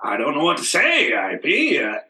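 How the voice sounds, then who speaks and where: An actor playing a stingy, self-righteous company boss in radio comedy, blustering and stammering. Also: male voice, a little high, huge pitch swings, moderate pace, sharp tone, roomy sound, full character voice. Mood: flustered. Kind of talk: old-time radio comedy acting.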